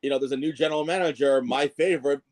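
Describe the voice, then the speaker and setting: A man's voice: on the high side, fast, a little mellow. A man speaking as a guest ring announcer in a casual wrestling chat, emphatic and repeating words to press his point.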